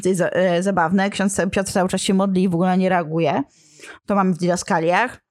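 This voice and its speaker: A woman's voice: on the low side, fairly even intonation, a little fast, a little mellow, dry recording, clean studio sound. A woman in a casual lesson, explaining and reading scenes from a drama, with small slips and restarts. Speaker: literature teacher.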